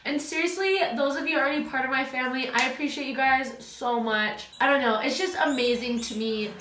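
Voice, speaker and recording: A young woman's high, steady voice runs a little fast and a bit bright, blocked up and nasal from a stuffy nose. Chatting from a small room at home, this beauty vlogger gushes and jokes at her own expense during a makeup tutorial. There's reverb, a faint hiss or hum, and dogs playing in the background.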